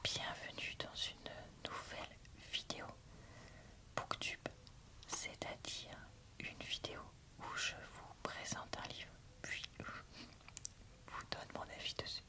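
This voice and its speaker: This is an unhurried, casual ASMR clip in which a female book reviewer and video host whispers gently as she reviews and reads from a book.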